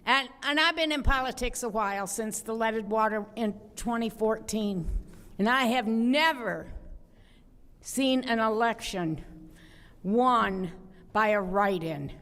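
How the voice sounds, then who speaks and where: A woman speaks at a council meeting in a rambling, pointed way. She talks very slowly, and her voice sits fairly high. It echoes with the long reverb of the chamber. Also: a bit bright. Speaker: public commenter. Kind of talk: public comment.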